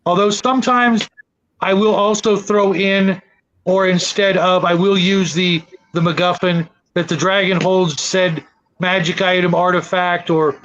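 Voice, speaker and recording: A man talking casually on a discussion panel, halting and repeating words as he builds his point. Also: high voice, steady tone, a bit bright, dull audio, a little hiss or hum. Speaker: tabletop gaming discussion panelist.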